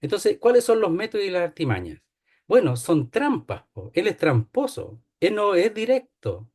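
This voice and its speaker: A man's voice: high voice, wildly swooping pitch, moderate pace, darkish tone. Man teaching a Bible study. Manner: explanatory, repeats key phrases, asks "¿ya?".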